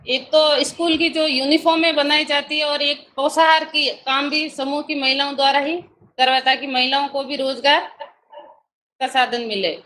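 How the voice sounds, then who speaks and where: Woman on a video call, high bright voice, earnest, bit of background hiss. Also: poor audio. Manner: earnest, formal proposal. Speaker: self-help group president.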